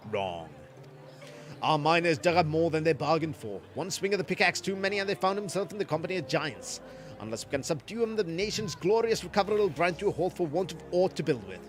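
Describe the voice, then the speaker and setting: A man voicing a blunt, gruff male mining foreman in a game, talking in a folksy, colloquial way. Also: on the high side, lively intonation, a little fast, voice pushed up, natural voice. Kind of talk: reading game dialogue aloud.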